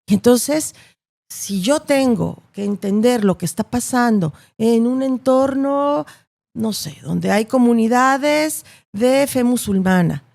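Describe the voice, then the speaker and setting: A journalist with a Latin American Spanish accent, appearing as an interview guest, argues her views articulately and emphatically, repeating words and using rhetorical tags to build her points. Her voice is on the high side, darkish and vocal-fried, with lively intonation and a slow delivery.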